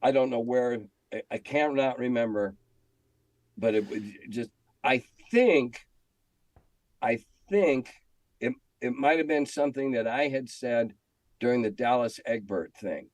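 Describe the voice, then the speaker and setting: An older American man telling stories casually in an interview, candid and halting, often clearing his throat. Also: medium pitch, a little mellow, dry recording. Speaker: interview guest, game industry veteran. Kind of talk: casual reminiscing conversation.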